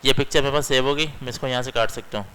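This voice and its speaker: A man's voice: medium pitch, fairly even intonation, very fast, sharp tone, smooth, low-quality recording. A young man teaching a computer lesson, walking through each step and often checking in with his students. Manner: explains step by step, keeps checking in with "theek hai". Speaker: computer instructor. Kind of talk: screen-recorded computer lesson.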